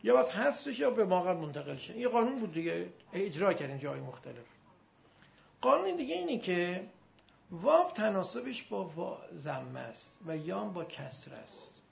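Male teacher, high gravelly voice, chanted classroom drills, quick questions to students, dull muffled recording. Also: big pitch swings. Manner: recites verb forms in a loud rhythmic chant, then drops to quiet asides. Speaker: Arabic grammar teacher. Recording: dull lo-fi recording with faint background noise.

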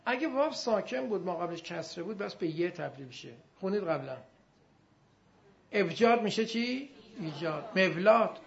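A man teaching Arabic grammar in a classroom, chanting verb forms in rhythmic drills and firing quick questions at his students. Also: high-pitched, lively intonation, creaky. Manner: recites verb forms in a loud rhythmic chant, then drops to quiet asides. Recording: dull lo-fi recording with faint background noise.

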